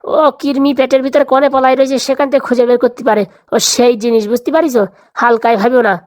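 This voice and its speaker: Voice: sits high, flat delivery, quick pace, close to an everyday voice. A performer voicing a boastful, greedy, hard-drinking hired thug in a comedy cartoon, swaggering and wheedling.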